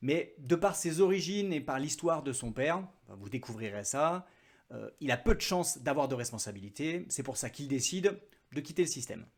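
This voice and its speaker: A man's voice: medium pitch, expressive, normal speed. A man hosting his own book review vlog, chatty and joking at his own expense. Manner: chatty, self-mocking asides. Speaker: book vlogger.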